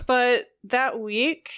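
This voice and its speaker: A woman co-hosting a podcast, talking frankly in a halting way with many fillers. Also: a little high, a bit bright, clean tone. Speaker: podcast co-host. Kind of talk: candid conversational podcast talk.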